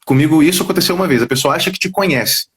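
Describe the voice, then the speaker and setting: A man, a voice actor telling stories in a casual interview over a video call. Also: on the high side. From Brazil. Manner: quick, animated storyteller, drops into quoted voices. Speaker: voice actor guest. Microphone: headphones on a video call.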